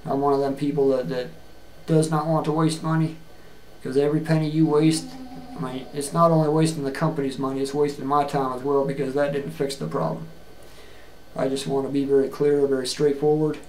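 A middle-aged man giving a plain-spoken, earnest video resume, halting often with fillers and restarts, recorded on a webcam in a small room. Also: mid-range voice, level tone, a little mellow, a little hiss or hum. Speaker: job seeker. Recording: echoey room with faint ambience.

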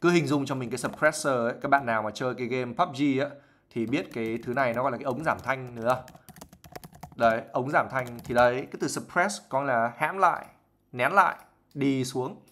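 Guy doing a live english vocab lesson, chatty, explains stuff, tosses in english words, mid pitch. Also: a little fast, a bit bright. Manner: laughs and acts out examples while explaining. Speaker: IELTS teacher.

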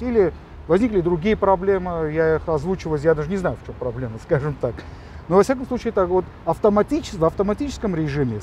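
A male lawyer with a high voice gives interview answers quickly. He explains step by step and keeps catching on fillers and restarts. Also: darkish tone, a little hiss or hum.

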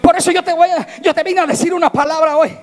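A male pastor preaching an impassioned sermon, swinging from shouted lines to hushed, tearful tones. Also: very high-pitched, steady tone, fast talker.

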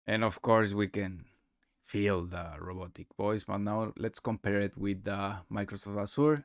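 A man presents a software walkthrough in a low, gravelly voice. His English is non-native and halting, with a casual delivery. The sound is close and dry. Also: steady tone, no echo. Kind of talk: casual screen-recorded tutorial narration.

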